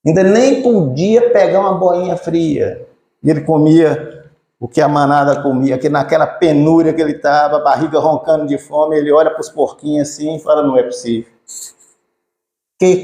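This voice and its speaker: A man telling a story in a sermon, colloquial and lively, addressing the congregation by name. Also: fairly high pitch, normal speed. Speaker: preacher. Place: church. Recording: echoey church hall.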